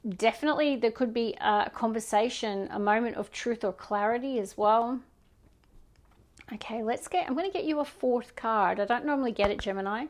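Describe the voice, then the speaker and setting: A Scottish woman giving a chatty, reassuring tarot reading into a microphone. She is hoarse and losing her voice, and often stops to clear her throat. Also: fairly high pitch, normal speed. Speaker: tarot reader. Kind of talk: casual tarot reading to camera.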